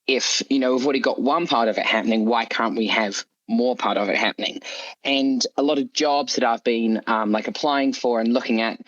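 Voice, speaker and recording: A man's voice: medium pitch, fairly even intonation, fairly quick, a bit bright. Man explaining things, dull lo-fi audio. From United Kingdom. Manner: explanatory, frequent "like" and "you know". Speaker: guest author interviewed about his story. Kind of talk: conversational interview answers.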